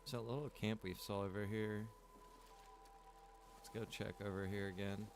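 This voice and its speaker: A man's voice: lowish voice, little pitch movement, normal speed. A man giving casual, chatty commentary while he plays a game, thinking aloud in a laid-back way. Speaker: game streamer. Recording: clear background noise.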